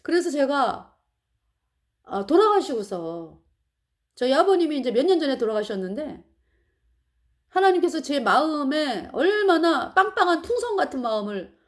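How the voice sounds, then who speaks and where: A woman's voice: sits high, very animated, normal speed, pauses often. A middle-aged woman telling a personal church testimony with emotion and laughter. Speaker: church member giving testimony.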